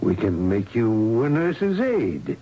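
An actor playing a patronizing senior hospital doctor with condescending emphasis in a 1970s radio drama. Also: male voice, lowish voice, wildly swooping pitch, slow pace, warm tone, husky, heavily acted. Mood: persuasive, jovial. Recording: muffled, noisy old radio recording.

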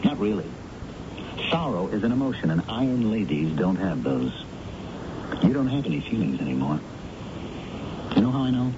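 An actor playing a bitter, defeated middle-aged magazine editor with an American accent, sardonic and melodramatic in a radio drama. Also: male voice, very animated, moderate pace, pauses often. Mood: bitter, accusing. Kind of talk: 1970s radio drama acting. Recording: muffled, noisy, rumbly old radio broadcast recording.

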